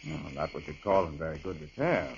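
An actor playing a calm, confident male detective in a 1940s radio drama, explaining clues in an assured manner. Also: extremely low pitch, a little fast, a little hiss or hum. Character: cool-headed male detective, middle-aged, confident. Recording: muffled old radio broadcast.

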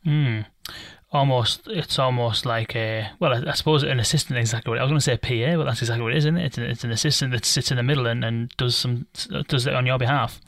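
A man's voice: mid-range voice, fairly even intonation, fast talker, vocal fry, fairly bright tone, dry recording. A man interviewing company founders, thinking aloud and summing up their points as questions. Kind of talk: business interview.

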